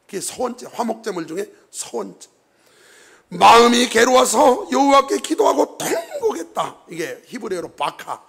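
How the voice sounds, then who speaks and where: High, gravelly pastor preaching. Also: male voice, normal speed. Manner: animated, emphatic, often questions the congregation. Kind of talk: sermon. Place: church.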